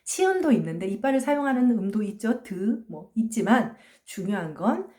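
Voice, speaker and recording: A woman teaching a phonology lecture. She explains patiently, asks questions and answers them herself, and says sounds slowly to show them. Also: mid-range voice, sing-song, warm tone. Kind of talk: recorded online lecture.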